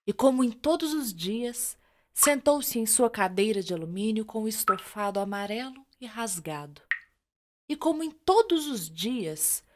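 A woman with a Brazilian accent narrating a radio serial as theatrical storytelling, with deliberate dramatic pauses. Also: on the high side, animated, a little mellow.

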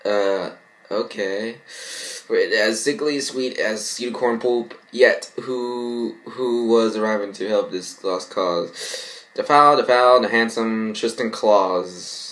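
A man's voice: fairly low pitch, slow, a bit bright, poor audio. A young adult man rambling casually and reading aloud in an amateur way, often stumbling over his words, recorded at home in a bedroom. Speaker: vlogger reacting to and reading fan fiction.

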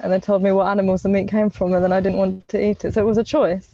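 A woman's voice: mid-range voice, little pitch movement, quick pace, mellow, no room sound. Young woman guest, casual and chatty, on a dull lo-fi video call line. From England. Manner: chatty, many restarts and fillers. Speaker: podcast guest. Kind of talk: casual interview chat. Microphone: earphone mic on a video call.

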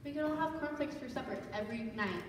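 A woman playing an eager, excitable little sister in an amateur stage radio play. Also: high-pitched, fast. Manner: keen, exclaiming. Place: church stage before an audience. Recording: echoey church hall, distant, clearly noisy.

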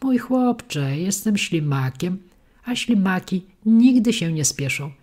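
A woman voicing a calm, phlegmatic male snail who speaks slowly and never hurries, in a storybook reading. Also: fairly low pitch, pitched above the performer's own voice. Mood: placid. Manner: slow, unhurried, unbothered.

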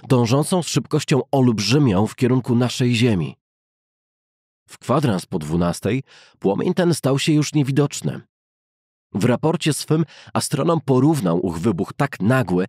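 A man narrating a novel as an audiobook in a measured, formal storytelling manner. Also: medium pitch, a little mellow, husky, dry recording, studio quality. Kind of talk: scripted literary narration of a novel.

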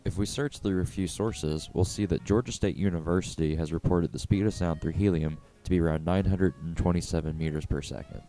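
A man with a low, mellow voice narrates a scripted physics lesson. He explains methodically, one step after another, with music playing behind him. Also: a little fast, few pauses.

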